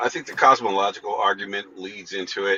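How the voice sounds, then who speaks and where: A man speaking at a moderate pace. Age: 60s. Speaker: caller. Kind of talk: debate call.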